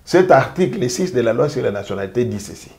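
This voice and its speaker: Emphatic man making a measured legal case. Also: mid-range voice, big pitch swings, a little mellow. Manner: emphatic, measured legal argument with deliberate repetition. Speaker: jurist. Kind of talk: interview commentary.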